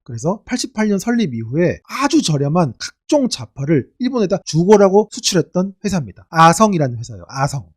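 A man's voice: sits high, big pitch swings, brisk, few pauses, slightly rough. A middle-aged man hosting his own channel, giving sarcastic, indignant commentary in a casual ranting style. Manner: sarcastic, indignant, mocking asides.

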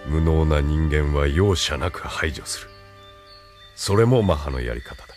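In this anime radio drama, a cold, calculating colonel with a very deep, measured voice. He lays out orders with an unhurried, commanding weight, and faint music plays behind him. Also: animated, darkish tone. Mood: stern. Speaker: military colonel.

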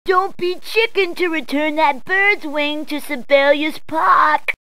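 High-pitched, jokey New policewoman. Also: slow pace, pushed and bright, no room sound, heavily acted. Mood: pleased, punning. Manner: playful, punning, emphatic delivery. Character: brash, jokey New York policewoman giving directions. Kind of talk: scripted video game character clips.

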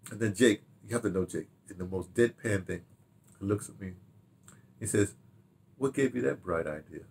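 An American man in his sixties reminisces casually in a rambling, halting way, repeating words and throwing in animated asides, recorded in a home study. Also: lowish voice, creaky. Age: 60s. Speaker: radio drama director telling his history. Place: small home study, indoors.

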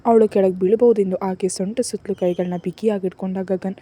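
A woman narrating a serialized romance novel in a steady, soft storytelling manner. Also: medium pitch, fairly quick. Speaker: audiobook narrator.

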